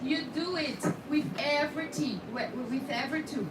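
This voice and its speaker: Speaking at a moderate pace in a high voice, this dental scanning instructor from Brazil, a native Portuguese speaker with a Brazilian accent, walks trainees through a practical technical demonstration and often makes sure they follow. The indoor training room is echoey and full of background noise, heard through a distant mic.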